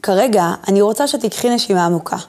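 A woman giving a motivational lecture on self-image. She speaks directly to the viewer and leads her through breathing exercises with gentle instructions. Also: medium pitch, animated.

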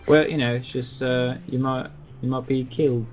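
A man co-commentating a strategy game in a relaxed, casual style, often pausing and hedging as he talks. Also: mid-range voice, faint music behind. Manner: relaxed, hesitant, many fillers. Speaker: esports commentator.

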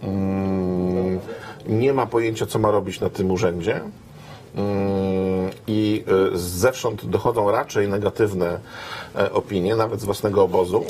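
A man in his fifties speaks as a guest in a television studio, his voice a little low and wry. He pauses often with fillers, recorded close on a lapel mic with a faint hiss behind him. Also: steady tone, a little mellow. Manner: hesitant, many fillers, wry. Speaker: image expert guest. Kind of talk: studio interview. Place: TV news studio.

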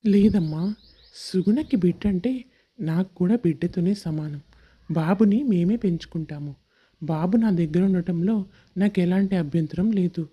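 A woman voicing a sincere, devoted young man in love, earnest and polite, in an animated moral story. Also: lowish voice, moderate pace, husky, lo-fi sound. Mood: sincere, reassuring.

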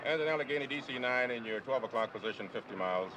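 An actor playing a calm, methodical air traffic controller in a film, speaking clipped procedural phrases with small hesitations. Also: male voice, mid-range voice, quick pace, lightly acted. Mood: calm, focused.

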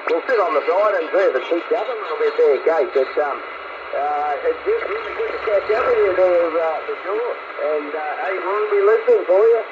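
A man's voice: high-pitched, normal speed. A rambling, repetitive Australian man chatting casually as a CB operator over sideband radio. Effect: shortwave sideband radio reception. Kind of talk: casual radio contact chat. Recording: muffled CB radio, loud static noise. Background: heavy radio noise.

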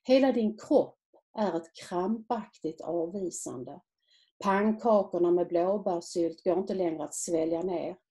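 A woman author reading aloud from her own novel in a measured, quiet literary manner. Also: on the low side.

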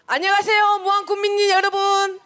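A woman's voice: extremely high pitch, monotone, normal speed, fairly bright tone, faint music behind. A middle-aged woman with a Jeolla accent, a contestant bantering in a flustered, blunt way into a handheld mic on an outdoor stage. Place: open-air concert stage at night. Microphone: handheld microphone.

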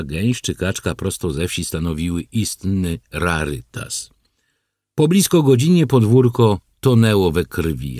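A man's voice: low voice, a little mellow, no echo, studio quality. A man narrating a first-person story for an audiobook in a wry, vivid way.

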